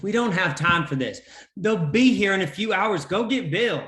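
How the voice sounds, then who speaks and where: A man's voice: sits high, expressive, moderate pace, a bit bright, echoey room. A man acting a beaten, jailed man who pleads insistently, in a table read of a period Western drama. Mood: urgent.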